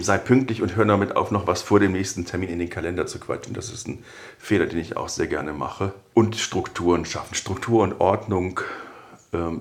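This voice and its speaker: A man talking through personality types in a relaxed, conversational podcast style, adding anecdotes about former colleagues. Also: fairly low pitch, gravelly. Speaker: podcast expert on personality development. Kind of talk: conversational explanation.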